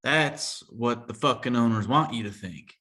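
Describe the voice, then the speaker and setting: A man's voice: mid-range voice, a little slow, pushed and bright. A man playing a hostile, bitter, foul-mouthed coal miner in a screenplay table read, speaking bluntly and confrontationally. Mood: scornful.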